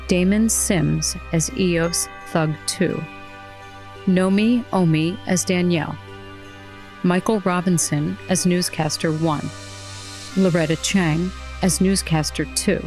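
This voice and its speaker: A woman's voice: fairly low pitch, darkish tone. A woman announcer reading scripted credits for an audio series.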